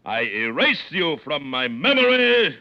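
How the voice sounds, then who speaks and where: An actor playing a huge, boisterous, hard-drinking French black-market porter, bombastic and demanding, in 1940s radio drama style. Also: male voice, fairly high pitch, very animated, unhurried, creaky, heavily acted. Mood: haughty. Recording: dull old radio broadcast recording.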